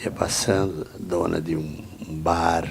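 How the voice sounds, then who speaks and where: Speaking at a very slow pace, a man keeps his intonation fairly even. Noticeable background noise and audible room echo fill the recording. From southern Brazil, Santa Catarina. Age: 70s. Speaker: retired army major and businessman, interviewee. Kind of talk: oral history testimony.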